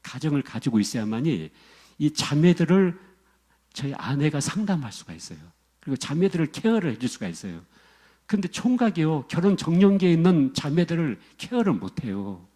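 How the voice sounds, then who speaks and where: Animated, emphatic Korean male pastor preaching. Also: a little high, brisk. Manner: emphatic, repetitive preaching with direct address to the congregation. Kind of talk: sermon.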